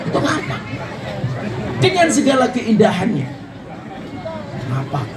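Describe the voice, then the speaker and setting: A man preaching a humorous sermon to a crowd, joking and imitating regional dialects. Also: fairly high pitch. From Indonesia. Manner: jokey, animated, mimics regional dialects, frequent shouts. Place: outdoor religious gathering. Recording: roomy, distant, with crowd and noise. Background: audience murmur and ambience.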